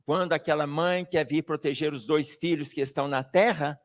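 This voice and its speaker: A man whose voice sits on the high side lectures at a spiritist book fair at normal speed, in a lecture hall. Full of energy and jokes, he addresses the audience directly.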